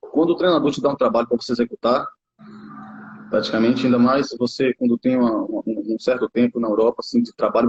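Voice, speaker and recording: A Brazilian man in his thirties chats about his football career in a loose, halting way, often restarting phrases and tacking on tag questions. He speaks at a middle pitch. The recording is muffled and lo-fi. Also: a little mellow. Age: 30s. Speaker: youth football coach, former player. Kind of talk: casual interview talk. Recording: muffled lo-fi sound.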